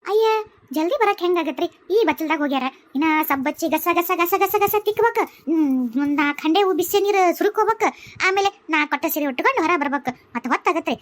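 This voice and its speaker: Brief: woman with North Karnataka accent doing quarrelsome cartoon village voices, high and rapid. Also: lively intonation. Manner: bickering, scolding village banter. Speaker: cartoon storyteller voicing all characters. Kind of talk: dialect comedy cartoon voicing.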